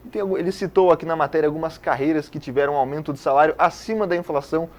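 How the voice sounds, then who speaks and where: A man's voice: on the high side, racing. A man co-presenting the news, enthusiastically recommending a newspaper article in a rambling, informal way. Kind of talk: casual news commentary.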